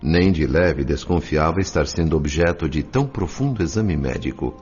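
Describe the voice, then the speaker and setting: An actor playing a reflective, compassionate narrator in a radio drama audiobook, with a Brazilian accent. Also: male voice, rumbling low, lively intonation, normal speed, a little mellow. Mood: solemn, reflective. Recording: slightly dull sound. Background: faint music.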